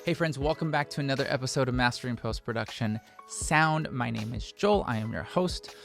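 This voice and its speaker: A man's voice: mid-range voice, a little fast, gravelly, over music. An American man in his forties hosting a conversational instructional talk, stressing his advice emphatically. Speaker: host, sound mixer. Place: small indoor post-production studio. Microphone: desk microphone close in front.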